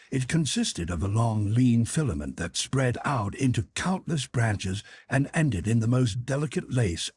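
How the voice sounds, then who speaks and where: Casting: male audiobook narrator, formal and expressive, lively melodic range, close dry studio sound. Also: medium pitch, husky, no echo. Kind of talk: scripted literary narration.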